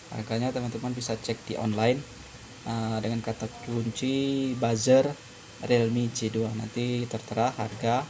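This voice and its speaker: A man narrating an informal hands-on repair tutorial as presenter, explaining step by step in a halting way with frequent pauses. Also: mid-range voice, background noise.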